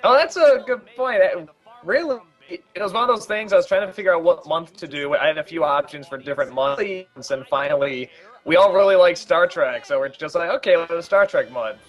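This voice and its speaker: A man giving a casual film commentary, talking in a rambling, halting way with many restarts. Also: on the high side, muffled recording.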